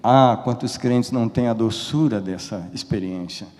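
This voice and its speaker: Impassioned pastor in a reverberant hall. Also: male voice, medium pitch, moderate pace. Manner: impassioned, swings from loud urging to hushed confession. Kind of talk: sermon. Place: church hall.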